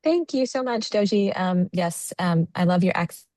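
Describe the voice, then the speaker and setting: A woman's voice: fairly low pitch, animated, moderate pace, warm tone, no echo. An American woman in her thirties presenting on a video call, chatty and friendly with many fillers, tired from lack of sleep. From United States. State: sleep deprived. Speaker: guest presenter. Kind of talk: online presentation.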